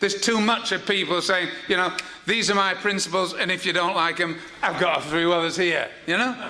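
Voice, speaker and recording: A man's raised, projected voice, high in pitch, with a Yorkshire accent and fairly even intonation, over noticeable background noise. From Yorkshire, northern England. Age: old. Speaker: retired trade union leader. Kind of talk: after-dinner speech. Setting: dinner event with audience.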